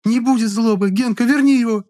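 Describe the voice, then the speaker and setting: Guy putting on a high squealy hysterical young woman, yelling and whining. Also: fairly even intonation, fairly quick, natural voice. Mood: pleading, tearful. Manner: shrill, shouting, whiny. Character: hysterical young woman, shrill, demanding, tearful.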